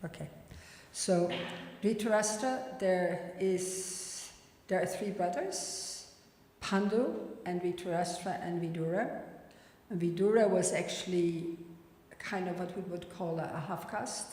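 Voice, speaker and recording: A woman's voice: on the low side, unhurried, a little mellow. A woman teaching a scripture class, reading and explaining in plain, informal words. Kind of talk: scripture lecture with recitation and explanation. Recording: very echoey, reverberant hall.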